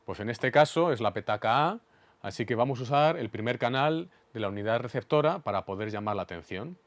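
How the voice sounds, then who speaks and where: A man with a Spain Spanish accent giving an instructional equipment demonstration in a clear, methodical, didactic way. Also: medium pitch, expressive, brisk, dry recording. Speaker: instructor explaining studio equipment.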